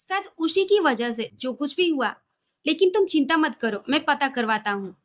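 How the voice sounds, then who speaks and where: A woman's voice: high voice, lively intonation, moderate pace. A woman voicing an earnest, tender and teasing young husband in a romantic audio story. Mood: earnest, reassuring.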